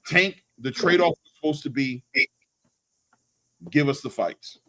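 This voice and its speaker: A man with a fairly high-pitched voice hosts a casual boxing talk show. He argues his opinions emphatically in loose slang, often repeating words to hammer a point. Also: a little slow, pushed and bright, poor audio. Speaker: host of a boxing channel.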